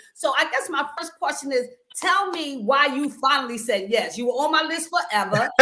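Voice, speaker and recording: A woman's raised, projected, high-pitched voice, animated in tone and lively in intonation, at a moderate pace over noticeable background noise. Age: 50s. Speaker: business mentor hosting a livestream segment. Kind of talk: livestream interview.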